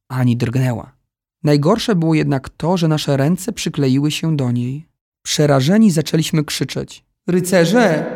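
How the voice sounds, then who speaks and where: A man narrating a children's adventure story in the first person, with a lively storytelling delivery. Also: a little high, no echo, clean studio sound.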